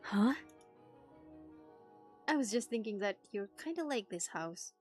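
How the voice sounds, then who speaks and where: A woman streamer reading a visual novel aloud and reacting in an animated, teasing way, swearing freely. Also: medium pitch, a little slow. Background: music.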